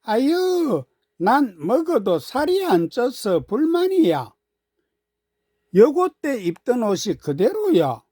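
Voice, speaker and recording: A woman's voice: on the high side, big pitch swings, takes it slowly, mellow, breathy edge, no echo, studio quality, pitched above the performer's own voice, exaggerated voice. A woman voicing catty, boastful middle-aged reunion friends in a story, gossipy and falsely sympathetic.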